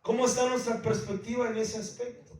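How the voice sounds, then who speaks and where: A man's voice: extremely high pitch, little pitch movement, a little fast, a little mellow, slight background noise. A man preaching a sermon with emphasis to his congregation in a church, calling out to them again and again. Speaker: pastor. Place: church in the United States. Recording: very echoey church hall, mic far off.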